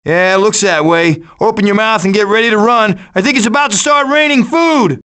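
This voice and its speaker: A man voicing a cocky, wisecracking raccoon who leads a band of foraging animals, with glib, sarcastic delivery in an animated video game style. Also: sits high, moderate pace, clear, resonant tone. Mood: urgent, bossy.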